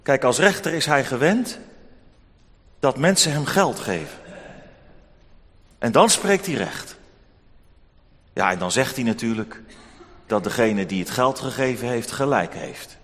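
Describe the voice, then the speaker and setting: A man telling a Bible story to children in an expressive, animated way. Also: medium pitch, measured pace, long pauses. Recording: long hall reverb.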